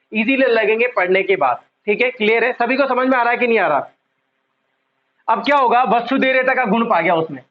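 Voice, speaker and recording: A male psychology teacher with a voice that sits high gives an online exam-prep lecture, and the recording has its highs cut off. He repeats key terms, quizzes the class often, and draws out the important words for emphasis.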